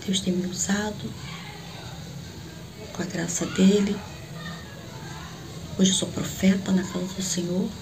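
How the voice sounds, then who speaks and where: Animated Brazilian woman telling a testimony. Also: a little slow, gravelly, long pauses, noisy background. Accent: Brazilian Portuguese. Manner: animated, acts out the dialogue with sharp jumps in pitch. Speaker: church prophet giving a testimony. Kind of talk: personal testimony storytelling.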